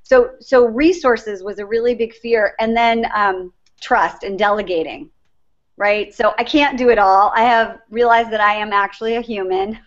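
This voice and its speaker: A woman's voice: medium pitch, normal speed. A middle-aged woman, a life coach, telling her story earnestly as an interview guest. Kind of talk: interview answers, personal story. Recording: dull lo-fi recording.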